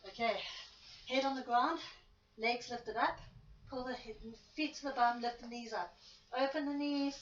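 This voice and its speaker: A woman's voice: high-pitched, fairly even intonation, moderate pace. A woman instructing an exercise class in short step-by-step cues and counts, with informal asides, audibly exerting herself as she demonstrates. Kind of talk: spoken workout instruction with counting. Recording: echoey room, distant mic, muffled, faint noise.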